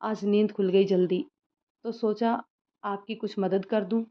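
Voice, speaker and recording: A woman voicing a tender young woman about to be married, who speaks to her mother in a soft, tearful way. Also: mid-range voice, fairly even intonation, unhurried, close to an everyday voice. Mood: gentle. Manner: tearful and sobbing. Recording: slightly muffled lo-fi recording.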